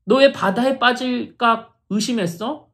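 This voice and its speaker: A woman pastor voicing a gentle male teacher figure who rebukes tenderly and slowly within her sermon. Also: a little high. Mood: gently reproving.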